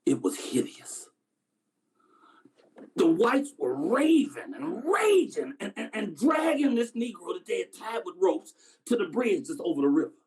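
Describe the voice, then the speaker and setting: A man's voice: high voice, very animated, a little slow, darkish tone, exaggerated voice, poor audio. A man performing a dramatic monologue as a haunted Southern man, stammering and repeating words as he recalls a boyhood horror. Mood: haunted, grave.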